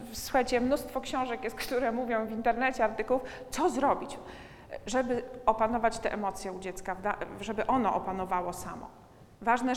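A woman with a fairly high voice gives an informal talk on raising children. She speaks straight to her listeners in a loose, conversational way with plenty of fillers. Her voice carries a long reverb, with a faint hum of room ambience underneath. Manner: conversational, addresses listeners directly, frequent fillers. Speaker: speaker on parenting.

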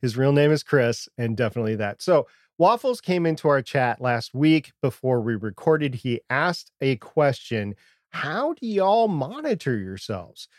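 Quiet, muddled man's voice, very dry. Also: mid-range voice, moderate pace, few pauses, no room sound. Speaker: podcast co-host. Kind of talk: casual chat about audio gear.

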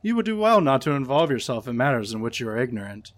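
A man's voice: medium pitch, very animated, fast, dry recording, voice pushed up, lightly acted. A man voicing a tense, secretive stranger who answers tersely and stiffly. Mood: defensive.

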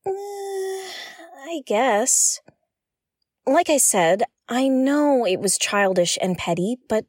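An actress playing a feisty, irreverent woman who broadcasts from her own ship, expressive and candid in an audio drama. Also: on the high side, dry recording, studio quality. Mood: sheepish, defensive. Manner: expressive, candid, prone to gleeful giggling. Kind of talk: audio drama acting, conversational.

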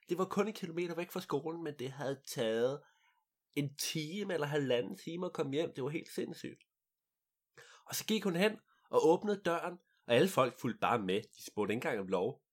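Animated storyteller with sound effects. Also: medium pitch. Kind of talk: improvised storytelling.

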